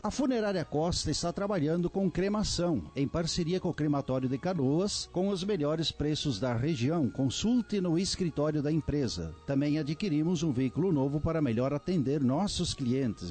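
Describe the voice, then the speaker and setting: A man reading a radio ad in a calm, formal, respectful manner. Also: a little high. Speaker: radio ad announcer. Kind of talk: scripted radio ad read.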